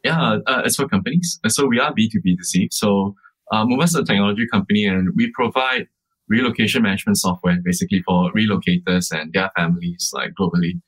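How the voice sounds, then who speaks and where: A man's voice: on the low side, fast, a bit bright, slightly rough, poor audio. A man who co-founded a startup, answering interview questions casually, with many fillers like "like" and "uh" and frequent restarts. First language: English.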